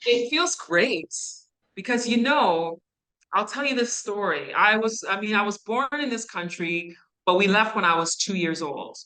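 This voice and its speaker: A woman's voice: mid-range voice, a little slow, bright, forceful tone, poor audio. A woman from Canada, a guest speaker in a university classroom, answering student questions in a conversational way with fillers and asides.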